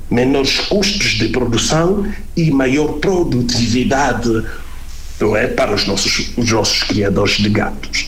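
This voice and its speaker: A male economics professor explaining in an interview soundbite, deliberate and explanatory. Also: mid-range voice, fairly bright tone, slight background noise. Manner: explanatory, deliberate, with some pauses. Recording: echoey field recording.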